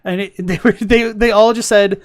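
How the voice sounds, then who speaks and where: A man with a fairly high, slightly raspy voice hosts a livestream. He talks in a loose, casual podcast style with a joking, self-deprecating manner. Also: fairly even intonation, normal speed. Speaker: livestream host.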